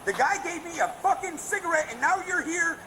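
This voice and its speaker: A high, fast-talking man argues from inside a truck, his words dulled as they pass through the closed window. The sound comes from a body camera outside, with plenty of noise around it. He stays defiant and combative. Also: lively intonation. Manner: defiant, argumentative. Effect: muffled, heard through a closed truck window. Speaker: detained driver. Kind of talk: heated argument with police. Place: inside a pickup truck, outdoors.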